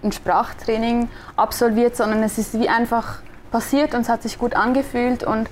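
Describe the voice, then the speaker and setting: A young woman from Switzerland speaks Standard German with a clear Swiss German accent, answering an interviewer in a reflective, searching way with frequent restarts. Her voice sits a little high, and a faint hiss of background noise runs under the recording. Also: little pitch movement, normal speed, a little mellow. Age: young adult. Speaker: guest, designer and podcaster.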